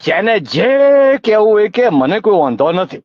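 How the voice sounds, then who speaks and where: A man's voice: sits high, animated, moderate pace, dry recording. A man with a rural North Gujarati accent, explaining and recounting insistently in a phone conversation. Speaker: community organiser. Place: phone call. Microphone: telephone. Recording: muffled recorded phone call.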